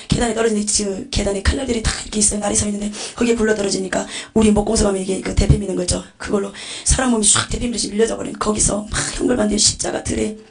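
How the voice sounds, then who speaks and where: A woman's voice: medium pitch, gravelly. A woman giving a religious testimony, telling visions in a breathless, vivid way with whispered asides. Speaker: testimony speaker.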